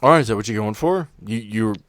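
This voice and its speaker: A man running a tabletop game as game master, improvising narration in deliberate, descriptive phrases. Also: on the low side, lively intonation, fairly bright tone, dry recording, studio quality.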